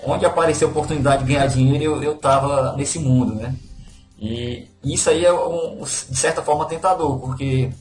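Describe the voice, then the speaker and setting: A man with a Ceará accent, telling his own story as a podcast guest, easygoing and modest. His voice rings in an echoey room, with soft music faint underneath. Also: mid-range voice, normal speed. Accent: Northeastern Brazilian (Ceará). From Fortaleza, Brazil. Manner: relaxed, modest, with frequent "né?" tags. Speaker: interview guest. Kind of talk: casual conversational storytelling.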